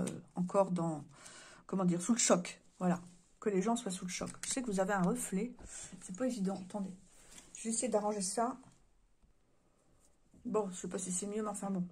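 A woman with a slightly rough, mid-range voice reads cards casually for the camera inside a room. Her musings are full of hesitations, and as her voice gives out she clears her throat.

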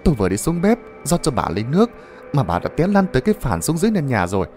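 A man's voice: mid-range voice, huge pitch swings, darkish tone, faint music behind, pitched above the performer's own voice. A man voicing a neighbor woman who chides and fusses over her friend. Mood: chiding. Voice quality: brisk, chiding. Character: fussing neighbor woman, caring and practical.

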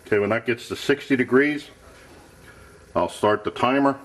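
This gear tester speaks at medium pitch and a moderate pace, narrating his camping stove test from behind the camera. He thinks out loud in a relaxed, no-nonsense way amid the clutter of his home workshop.

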